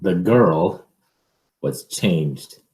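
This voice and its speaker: A man reading a picture book aloud to children in an expressive, measured way, with informal asides. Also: sits low, echoey room.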